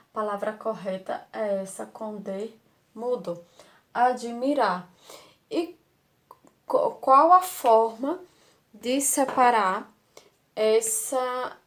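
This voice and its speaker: A woman's voice: fairly high pitch, takes it slowly, a bit bright. A Brazilian woman teaching a lesson to young children, affectionate and patient, repeating words and asking rhetorical questions. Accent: Brazilian Portuguese.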